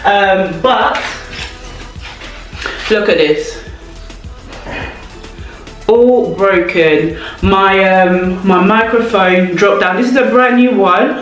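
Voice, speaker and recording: A woman vlogging an unboxing, joking and exasperated, talking in long, drawn-out stretches. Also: mid-range voice, soft background music. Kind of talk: casual unboxing chat. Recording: very roomy, from a distance.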